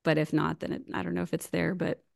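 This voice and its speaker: An American woman in her forties, chatting casually as a podcast guest over a video call, self-deprecating and quick to laugh. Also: sits low, little pitch movement, vocal fry, a little mellow. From United States. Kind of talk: casual remote interview chat.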